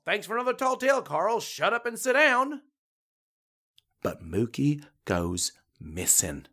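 An actress playing a distraught, feisty small-town cat owner in a podcast drama, talking in an animated, folksy way. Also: female voice, lowish voice, exaggerated voice. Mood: agitated storytelling.

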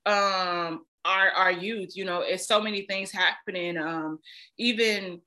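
A woman hosting a casual podcast interview, talking in a relaxed, slangy way. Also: mid-range voice, unhurried. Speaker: podcast host.

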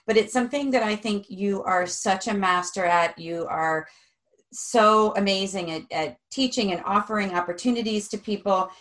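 Female host, casual and supportive, agrees often, mid-pitched voice. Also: a bit bright. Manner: affirming, quick to agree. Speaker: interview host. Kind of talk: casual interview talk.

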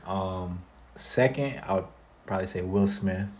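A young man from South Florida, a guest music artist talking about his life in a relaxed interview, with many fillers. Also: sits low, a little slow, a little hiss or hum. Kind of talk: casual interview conversation.

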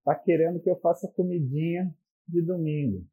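A man's voice: fairly high pitch, moderate pace, slightly rough, phone-quality sound. A man with a Brazilian Portuguese accent voicing a weary woman who dreads starting a new relationship, grumbling in exasperation. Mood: exasperated.

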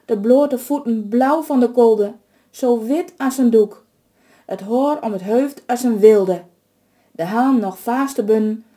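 Dark-toned woman telling a folk tale. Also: medium pitch. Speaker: storyteller. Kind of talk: reading a folk tale aloud.

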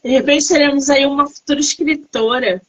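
A woman's voice: high voice, a little fast, a bit bright, lo-fi sound. A woman interviewing an author, with effusive, admiring exclamations in a casual chat.

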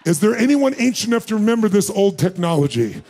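Middle-aged guy on stage, high voice, punchy storytelling, acts out the dialogue, quizzes the crowd. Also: very animated, quick pace, warm tone. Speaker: motivational speaker. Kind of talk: live seminar storytelling to an audience.

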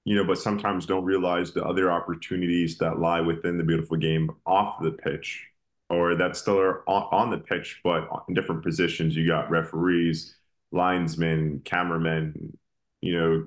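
Low-voiced male interview host, upbeat and conversational. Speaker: podcast host. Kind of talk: interview hosting.

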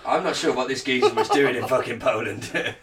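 A British man co-hosting a podcast, joking loudly and swearing in casual chat. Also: mid-range voice, recorded from a distance. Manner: loud, sweary, jokey, quick to laugh. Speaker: podcast co-host.

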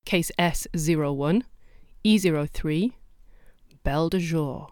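A woman's voice: low-pitched, takes it slowly, darkish tone, no echo. A woman hosting a podcast, delivering scripted documentary narration with dry, wry asides. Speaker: podcast host.

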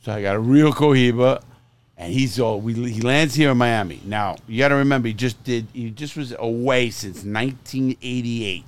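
A man hosting a casual podcast in an RV, a loud, laughing storyteller who jokes and swears freely. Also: medium pitch, normal speed. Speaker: podcast host. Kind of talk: casual chat.

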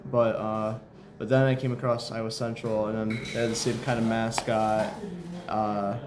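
A man's voice: on the low side, level tone, normal speed, noisy background. A young adult man with an American accent giving casual, hesitant, informal answers as an interview guest. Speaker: school mascot, interview guest. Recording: crowd chatter behind the voice. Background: crowd chatter.

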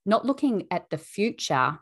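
A woman and mother hosting an interview, speaking in a thoughtful, measured and affirming way. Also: mid-range voice, big pitch swings, breathy edge. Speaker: podcast host. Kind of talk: reflective interview chat.

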